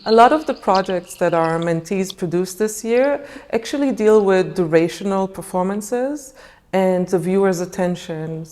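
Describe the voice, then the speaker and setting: A woman organizer explaining the festival clearly in an interview. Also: mid-range voice, measured pace, darkish tone, slight background noise.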